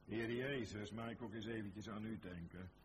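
A man's voice: lowish voice, fairly even intonation, normal speed, slight background noise. A man with a Dutch accent preaching a fervent sermon, repeating phrases and speaking back and forth with God. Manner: fervent, repetitive, dialogue with God.

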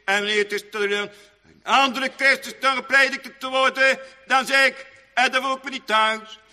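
A man preaching a sermon in old-fashioned churchly phrasing, rambling, repeating himself and pausing with many fillers. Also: extremely high pitch, steady tone, sharp tone, long reverb tail.

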